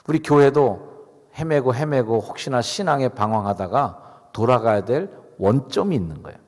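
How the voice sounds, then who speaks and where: A man's voice: medium pitch, a little mellow. A middle-aged man, a pastor, preaching a sermon in a conversational, chatty way, asking the congregation questions. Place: church sanctuary. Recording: long reverb of a church hall.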